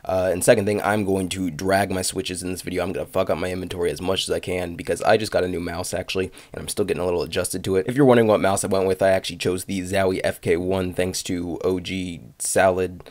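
A man's voice: low-pitched, little pitch movement, fast, hardly any pauses, no echo. A young man with a cold and a slightly nasal voice, telling a joking, crude story over gameplay. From United States. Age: young adult. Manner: joking, crude, self-mocking asides. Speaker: gaming commentary host.

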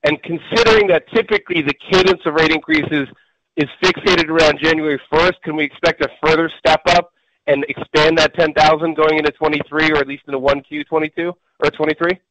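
A man asks questions as an analyst on an earnings call. His voice is on the higher side, with no room echo. He talks informally and haltingly, often repeating a word. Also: fairly even intonation, fairly bright tone. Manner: halting, stammering over repeated words. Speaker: bank analyst asking questions.

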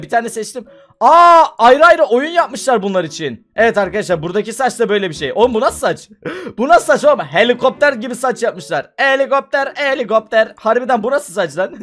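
A man with a very high, bouncy voice talks through a game for his viewers, excitable and often laughing. His pitch leaps up and down as he reacts, and faint music plays behind him. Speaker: gaming video host. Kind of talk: casual let's-play commentary.

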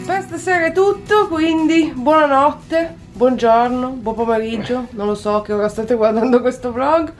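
A woman's voice: high-pitched, measured pace, hardly any pauses, faint music behind. A woman in her thirties, a travel vlogger talking to viewers in an upbeat, chatty way while filming herself on a phone held at arm's length. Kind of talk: casual travel vlog. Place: city streets outdoors and hotel room. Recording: busy street with crowd noise. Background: crowd and street noise.

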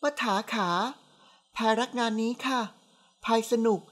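A woman's voice: on the high side, fairly quick, voice pushed up, lightly acted. Woman voicing a cheeky young niece. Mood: coaxing. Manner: bright, coaxing and sassy.

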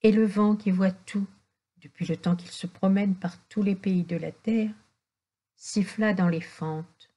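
A woman reads a children's tale aloud in a slow, gentle storytelling cadence. Her voice is warm and mellow, with a faint breathy huskiness. She lets every phrase settle before moving on. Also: medium pitch, steady tone. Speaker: audiobook reader.

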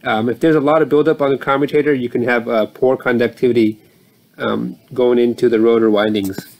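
A man's voice: mid-range voice, steady tone, brisk, vocal fry, darkish tone, low-quality recording. A man explaining a motor repair over his footage in a plain, explanatory way, with occasional fillers. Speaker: repair channel host.

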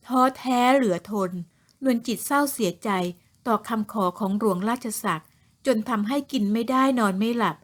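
A woman narrating an audio novel in a steady, even reading voice. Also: fairly high pitch, moderate pace. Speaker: storyteller.

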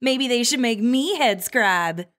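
A woman's voice: a little high, lively intonation, slow, fairly bright tone. A woman playing a playful, teasing young twin sister who works as a forest ranger, in an audio drama. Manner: teasing, sardonic.

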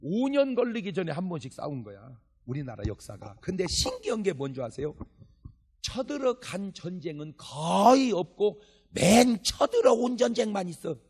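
Male pastor, revival sermon, husky voice, lively swooping pitch, joking storytelling. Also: moderate pace. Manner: animated, joking storytelling with acted dialogue. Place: church revival service.

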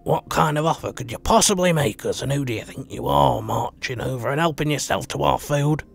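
A man's voice: low voice, big pitch swings, measured pace, gravelly, husky, voice pushed down, exaggerated voice. A man voicing a menacing shaven-headed male gang leader who snarls through gritted teeth.

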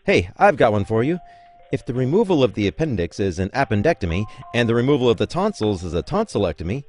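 An actor playing a glib, breezy, corny hospital doctor in a comedic audio sketch. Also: male voice, medium pitch, big pitch swings, fast, darkish tone, soft background music. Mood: jokey, breezy.

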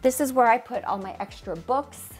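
Soft background music plays as a woman in her fifties, a home organizing vlogger, talks to the camera during a casual tour of her newly organized bedroom closet, poking fun at herself along the way. Her voice is fairly high, animated and a little mellow, at a normal speed.

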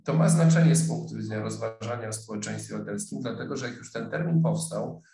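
A middle-aged man talks through a lecture from his office over a webcam. His voice sits at an ordinary pitch, and he hesitates often, filling pauses and restarting sentences. The room adds a noticeable echo. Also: creaky. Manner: thoughtful, hesitant, many fillers and restarts. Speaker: sociologist lecturer. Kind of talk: online lecture. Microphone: webcam video call.

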